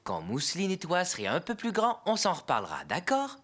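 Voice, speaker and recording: A man playing a patient, gentle father in a French-language children's cartoon. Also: high voice, wildly swooping pitch, brisk, full character voice.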